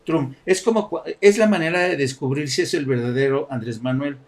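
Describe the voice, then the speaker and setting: A man's voice: on the high side, fairly quick. Sarcastic man commentator. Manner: mocking, animated, laughs often. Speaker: political commentator. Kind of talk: sarcastic political chat.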